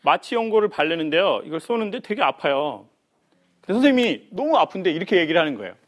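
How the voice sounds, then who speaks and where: Lively high-voiced male lecturer. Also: quick pace. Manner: animated, playful, acts out quoted voices. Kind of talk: humorous life lecture to an audience.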